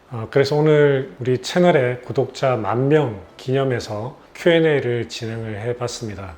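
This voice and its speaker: A man with a slight Gyeongsang accent, at a fairly slow pace, ordinary pitch variation, amid noticeable background noise. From South Korea, Busan. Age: middle-aged. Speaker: orthopedic surgeon. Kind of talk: Q&A reading viewer comments.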